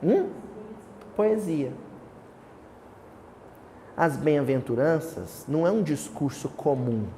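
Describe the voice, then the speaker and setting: A man with a Brazilian accent teaches a small study group in a mellow, expressive voice on the high side, going slowly with long pauses. He keeps posing questions to the group, answers them himself, and declaims the verses he quotes. A reverberant hall and faint hiss color the audio.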